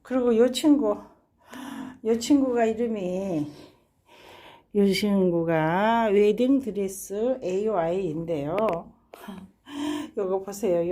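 Slow, mellow-voiced woman gardening host. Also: medium pitch. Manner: fond, chatty, sighing exclamations. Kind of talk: casual walkthrough vlog. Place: home balcony garden.

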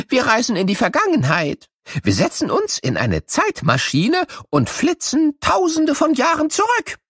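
An excitable, eccentric cartoon inventor, with a high voice that swoops wildly up and down. He is playfully boastful and theatrical, joking with young listeners in a children's audio play. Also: no room sound, clean studio sound, heavily acted. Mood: excited, playful.

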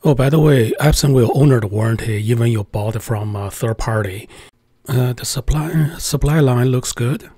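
A man talks through a casual tutorial in a chatty, hesitant voice full of filler sounds. His voice sits at an ordinary middle pitch. The sound is dry and close, with no room echo. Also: normal speed, warm tone, husky. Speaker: tech channel host.

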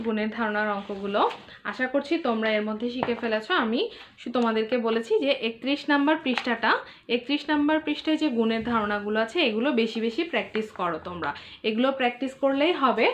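Young female kindergarten teacher, somewhat high voice, patient, spells out numbers slowly. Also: fairly bright tone, lo-fi sound, a little hiss or hum. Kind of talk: online class lesson.

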